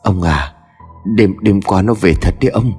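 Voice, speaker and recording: A man's voice: moderate pace, a little mellow, husky. A man doing a frightened, pleading older wife. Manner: higher, anxious, stammering, urgent. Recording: long reverb with faint music.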